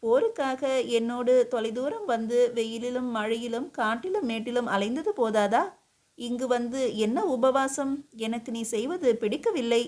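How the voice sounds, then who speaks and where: A woman's voice: on the high side, expressive, a little slow, darkish tone. A woman voicing a stern, exasperated male emperor who scolds his wife with incredulous questions, in an audiobook reading. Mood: reproachful. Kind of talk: audiobook character voice.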